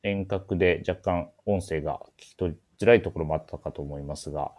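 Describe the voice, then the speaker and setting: A man's voice: low voice, a little fast, a little mellow. A man hosting a casual radio show, speaking politely with a teasing touch over a remote connection.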